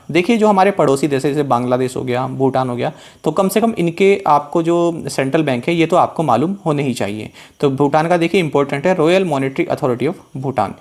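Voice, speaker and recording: Slow, deliberate male teacher reading a list. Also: on the high side, a little mellow. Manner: reads out a list slowly, stressing key items. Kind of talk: exam-prep lesson.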